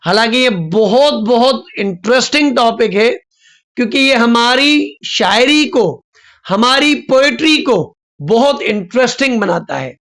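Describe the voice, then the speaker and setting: A man teaching a lesson on poetic rhythm, drawing out his example words slowly. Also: very high-pitched, lively intonation, a bit bright. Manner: drawn-out stressed example words. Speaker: literature teacher. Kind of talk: explanatory lesson.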